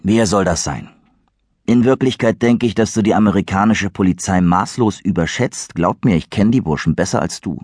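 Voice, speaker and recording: A man's voice: low-pitched, normal speed, a little mellow, no echo, clean studio sound. A man voicing a cocky, laid-back young driver.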